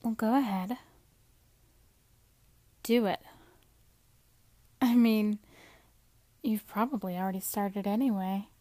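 A woman speaks unhurriedly and very slowly, drawing out each teasing phrase and often sliding into a hushed whisper. She sits close to the microphone in a dry, dead room with no echo at all. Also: mid-range voice, steady tone. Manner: teasing, soft-spoken with frequent whispers. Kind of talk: intimate audio roleplay.

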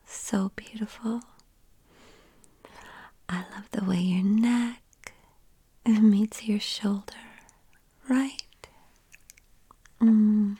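A woman whispering softly and tenderly into a close mic in an intimate ASMR roleplay. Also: fairly high pitch, breathy edge. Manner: tender, soothing.

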